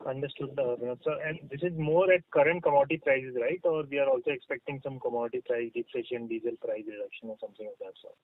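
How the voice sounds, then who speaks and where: A man's voice: medium pitch, fast talker, few pauses, dry recording. Indian male analyst on phone line. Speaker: analyst calling in with questions. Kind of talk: polite questioning on a conference call. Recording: thin phone-line audio.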